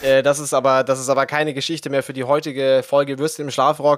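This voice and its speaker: A man talking at a very fast clip. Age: young. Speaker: podcast co-host. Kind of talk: casual chat. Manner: animated.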